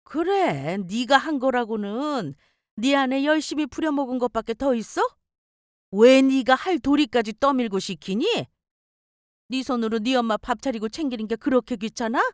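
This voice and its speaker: A woman's voice: a little high, normal speed, no echo, clean studio sound, lightly acted. A woman voicing a scolding older mother who guilt-trips her son, nagging and reproachful.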